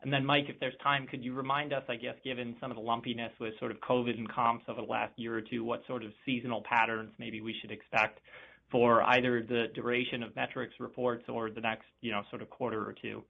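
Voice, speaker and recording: Gravelly, even-toned analyst man on phone. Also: mid-range voice, fairly quick. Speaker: financial analyst asking questions. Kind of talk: casual conference call question. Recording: narrow phone line.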